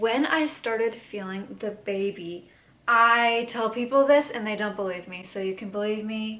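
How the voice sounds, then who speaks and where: Over noticeable background noise, a woman speaks at a fairly high pitch and a moderate pace. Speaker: lifestyle vlogger. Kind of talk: casual chat. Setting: home, sit-down video.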